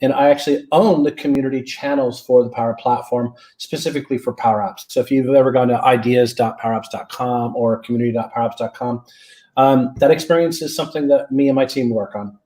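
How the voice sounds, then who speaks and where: A relaxed, chatty man with an ordinary middle-pitched voice, introducing himself at some length. He talks through a headset mic on a video call from a room at home. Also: fast. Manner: relaxed and talkative. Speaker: guest presenter. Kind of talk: casual self-introduction.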